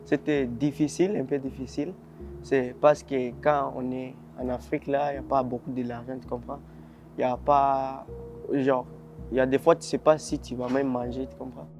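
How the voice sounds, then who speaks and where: A man's voice: medium pitch, little pitch movement, moderate pace, darkish tone, faint music behind. A fourteen-year-old boy from Congo talking casually and shyly in a documentary testimony. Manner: casual, slangy, shy. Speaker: interviewee.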